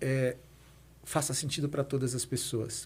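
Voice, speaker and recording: A man speaks in a somewhat breathy voice. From São Paulo, Brazil. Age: 50s. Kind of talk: podcast interview.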